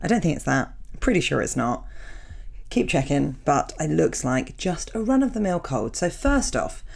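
A woman in her thirties with a cold, hosting her podcast in a rambling, self-mocking chat with a croaky, gravelly voice. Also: low voice, very animated, normal speed, a little mellow. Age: 30s. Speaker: podcast host. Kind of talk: chatty podcast intro, reading listener emails.

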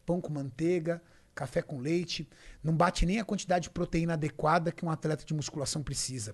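A man's voice: on the high side, slightly rough. A middle-aged man from Brazil, a bodybuilding champion telling stories in an interview, emphatic and acting out the dialogue he quotes. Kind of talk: podcast interview storytelling.

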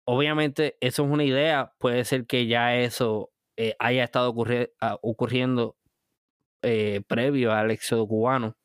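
Man, Puerto Rican Caribbean Spanish accent, podcast host, crisp clean tone, conversational, emphatic, dry sound. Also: medium pitch, fairly even intonation, normal speed, no echo. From Puerto Rico. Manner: emphatic, conversational, addresses the listener directly. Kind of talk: casual podcast monologue recapping episodes.

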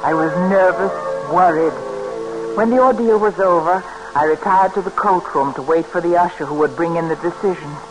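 A woman's voice: on the low side, moderate pace, music in the background, lightly acted, poor audio. Actress as young american woman doctor, earnest, poised, 1940s radio play. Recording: old radio broadcast.

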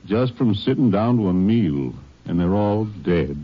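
An emotional, impatient small-town store owner. His low voice swings widely in plainspoken 1950s radio acting, on a dull vintage recording. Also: lively intonation, measured pace. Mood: distraught.

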